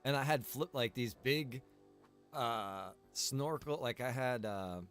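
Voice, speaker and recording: A man's voice: medium pitch, slow pace, a bit bright, faint music behind. A man chatting casually while streaming a game, informal and slangy, with some swearing. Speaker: streamer and game server developer.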